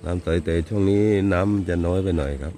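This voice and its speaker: A man's voice: sits low, fast, warm tone, faint music behind. A man working as a local guide, explaining the cave to a visitor outdoors in a hesitant way, with many fillers and agreeable replies. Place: outdoors at a cave mouth by a stream.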